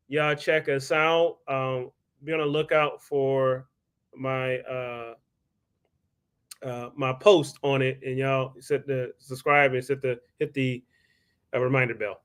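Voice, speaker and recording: A man's voice: fairly high pitch, a bit bright, clean tone. A man, casually hosting a live stream, talking loosely and greeting viewers by name. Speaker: host.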